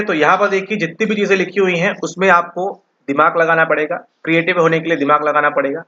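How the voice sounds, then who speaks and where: A man with a fairly high, bright and forceful voice lectures in an exam-prep lesson. He asks questions and answers them himself, and keeps ending points with a quick check-in. The audio is dull and lo-fi. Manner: rhetorical questions answered himself, repeats "ठीक है". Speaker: psychology exam tutor. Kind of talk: online lecture.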